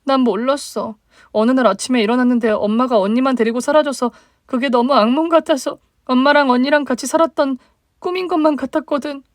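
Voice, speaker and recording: A woman's voice: high-pitched, fairly quick, no echo, clean studio sound, natural voice. A woman voicing a hurt young single mother, the younger sister, speaking plaintively in a dramatized story. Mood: shocked, tearful. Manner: plaintive, emotional questioning.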